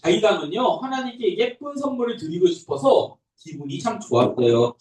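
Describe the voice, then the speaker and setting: A young adult man who is a pastor, telling a Bible story to toddlers in a sing-song, animated way. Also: high-pitched, a little fast. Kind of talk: children's sermon. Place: church room. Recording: echoey room, voice from a distance.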